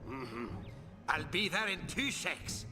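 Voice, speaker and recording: A breezy young guy in a video game, with a high voice that swoops up and down. He drawls his lines slowly, with music underneath. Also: sing-song. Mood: casual. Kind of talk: dubbed video game dialogue.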